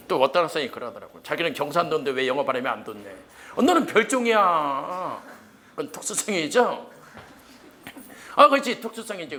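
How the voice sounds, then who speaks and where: A man lectures a room of exam students in a medium-pitched voice. He is quick and blunt, and he constantly throws questions at the class and then answers them himself. Faint room noise sits behind him. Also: bright, forceful tone. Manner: blunt and joking, with casual rough slang. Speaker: exam prep history lecturer. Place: cram school lecture room.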